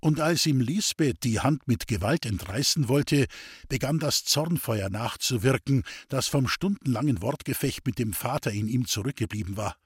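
A man reads a classic novel aloud as an audiobook narrator. His voice is husky and a bit breathy, recorded dry and close. He keeps a steady storytelling pace. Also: mid-range voice, moderate pace, no room sound.

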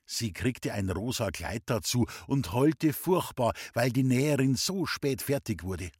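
A man reading a humorous story aloud in the first person, with a lively, cheeky telling. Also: mid-range voice, a little slow, slightly rough, no echo, studio quality. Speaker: audiobook reader.

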